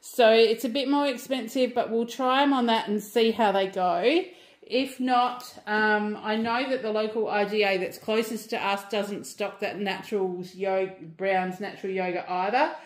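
A woman's voice: medium pitch, normal speed, echoey room. A middle-aged Australian woman chatting casually through a grocery haul, rambling with lots of ums. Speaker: vlogger.

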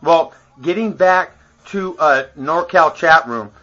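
Husky-voiced man ranting profanely. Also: a little high, takes it slowly, pushed and bright, dull audio. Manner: profane, boastful, laughs between phrases. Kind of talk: rambling rant to camera.

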